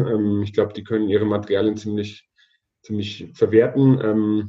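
A man's somewhat breathy voice carries a dark, mellow tone and fairly even intonation. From Franconia, Würzburg. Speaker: startup founder, trained roofer. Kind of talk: interview. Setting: remote call. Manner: halting, many filler sounds.

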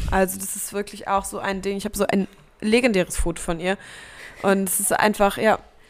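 A woman talking at a fairly quick pace in a flat monotone, broken by long, frequent pauses, over noticeable background noise. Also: medium pitch for a woman. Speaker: podcast co-host. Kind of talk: casual chat. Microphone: sharing one mic, may be quiet.

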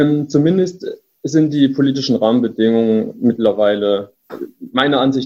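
Here a man speaks at medium pitch and a moderate pace. His pitch varies in an ordinary way. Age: 20s. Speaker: private investor in peer-to-peer loans. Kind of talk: casual podcast interview. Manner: hesitant, many filler sounds.

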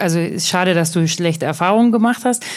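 Noticeable background noise and audible room echo. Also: woman. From Bavaria, Freising near Munich. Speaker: film director. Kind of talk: live panel discussion. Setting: stage with audience at film festival.

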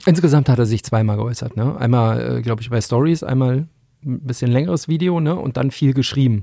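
The man's tone is dark and mellow, his pitch medium. He keeps a fairly quick pace with ordinary pitch variation. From East Germany. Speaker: podcast co-host, army reservist. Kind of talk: casual chat.

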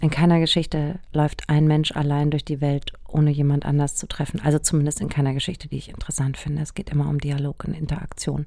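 A woman with a very deep, low voice and a dark, mellow tone talks at a very fast pace with hardly any pauses and monotone, flat intonation. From Bavaria. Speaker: novelist and podcast co-host. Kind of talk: casual chat.

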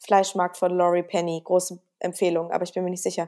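A woman is speaking. She moves at a fairly quick pace. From Berlin. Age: 20s. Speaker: film director. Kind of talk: casual interview. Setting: remote recording. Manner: gets loud when passionate.

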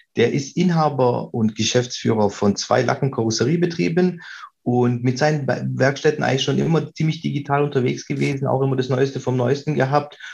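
A somewhat breathy male voice at a fairly quick pace, very even in loudness. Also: medium pitch for a man, ordinary pitch variation. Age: 30s. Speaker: startup founder. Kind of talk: interview.

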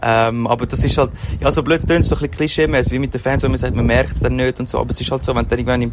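A man at a very fast pace with a Zurich accent, over noticeable background noise. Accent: Zurich Swiss German dialect. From Zurich, Switzerland. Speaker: professional footballer. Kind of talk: casual interview. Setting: Skype call.

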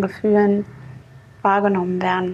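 A woman speaks at a medium pitch. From Saxony-Anhalt, Germany. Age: 30s. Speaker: peer counselor. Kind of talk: personal testimony interview. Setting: sofa in a community center cafe. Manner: hesitant with many fillers.

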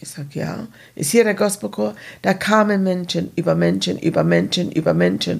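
The speaker uses an English accent at a fairly slow pace. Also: woman. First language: English (speaking German). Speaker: opera singer and gospel choir leader. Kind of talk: interview. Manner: halting, many fillers.

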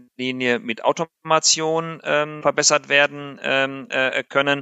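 With fairly even intonation, this man speaks very slowly. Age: 50s. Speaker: software company founder and CEO. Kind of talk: interview. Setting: studio. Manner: hesitant with many fillers.

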